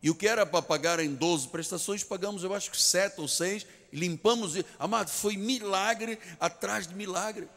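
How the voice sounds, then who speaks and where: A man's voice: high-pitched, moderate pace, hardly any pauses, a bit bright. A man with a Portuguese accent preaching a sermon as pastor, telling a story with emphatic repetition of key phrases. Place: large church sanctuary. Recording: long church reverb.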